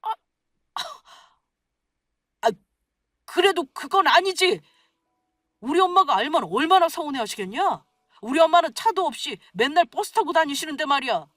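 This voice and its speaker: Indignant whiny husband, read by a woman, high voice, shrill complaining outbursts, dry close sound. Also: sing-song, moderate pace, pauses often, fairly bright tone, dry recording, distant mic. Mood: angry.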